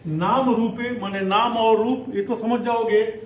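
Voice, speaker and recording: A man teaching a class, explaining a Sanskrit text word by word, repeating terms slowly and checking understanding often. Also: high-pitched, steady tone, distant mic. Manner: slow, repeats words, frequent 'है ना' checks. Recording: echoey room, voice from away from mic, faint hiss.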